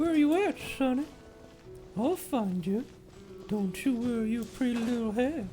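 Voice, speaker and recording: In a put-on character voice with a fairly high pitch, the speaker goes at a moderate pace with long, frequent pauses while clear music plays in the background. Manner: menacing and sweet-toned.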